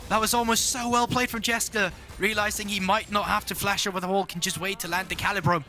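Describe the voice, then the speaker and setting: A man casting a competitive video game match, giving rapid, excitable analysis that jumps up in pitch on big plays. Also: faint music behind. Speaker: esports caster.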